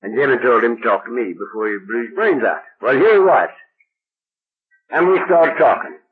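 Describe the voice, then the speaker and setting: An older man speaks to a recovery meeting in a folksy, plain-spoken way, dramatizing the people in his story. His voice is husky and sits at a middling pitch. The recording is dull and muffled, like an old tape. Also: animated, normal speed. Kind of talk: storytelling talk to an audience.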